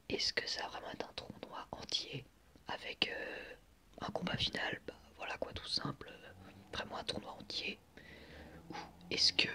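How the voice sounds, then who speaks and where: A young man whispering in a breathy, unvoiced voice as he gives ASMR commentary in a reflective, hesitant, rambling way. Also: pushed and bright. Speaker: ASMR video creator.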